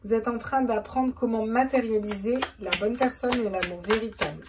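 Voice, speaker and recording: A woman's voice: fairly high pitch, moderate pace, far from the mic, noisy background. A woman doing a casual tarot reading, chatty, repeating herself and laughing at her own jokes. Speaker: tarot reader.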